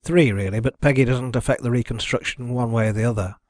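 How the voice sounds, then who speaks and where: A man's voice: mid-range voice, a little mellow, dry recording, studio quality, lightly acted. A man voicing a confident, methodical detective who explains his deductions precisely in an audiobook mystery. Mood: assured, reasoning. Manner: measured, assured, precise.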